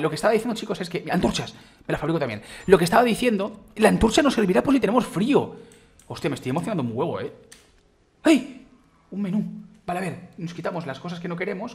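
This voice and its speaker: A man with a Spain Spanish accent races through his let's-play commentary, words tumbling out quickly in a slightly high voice. He rambles, exclaims and gushes as he plays. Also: slightly rough. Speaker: gaming youtuber.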